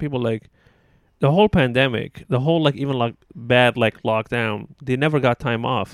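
A man with an Arabic accent and fairly even intonation, in a dry, close sound with no echo. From Libya. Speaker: comedian. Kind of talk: casual chat.

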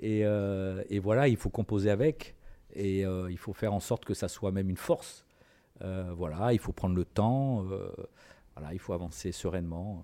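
The recording is very clean, with a silent background. A man speaks in a fairly low, dark, mellow voice with ordinary pitch variation. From France, Nice. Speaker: contemporary artist. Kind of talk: casual chat.

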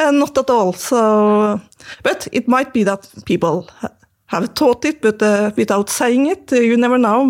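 A woman speaks with a Norwegian accent at a fairly high pitch. Her pace is fairly slow, with ordinary pitch variation. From Norway, Otta. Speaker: tech executive. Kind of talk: interview. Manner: halting.

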